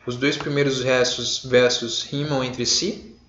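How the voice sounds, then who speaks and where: A man's voice: medium pitch, little pitch movement, measured pace, a little hiss or hum. Brazilian male teacher, laid-back lecture, echoey room, muffled lo-fi mic. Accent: Brazilian Portuguese. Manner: casual, many fillers, checks in with "beleza?"; jokey shouted examples. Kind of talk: online class lecture. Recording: roomy, dull lo-fi sound.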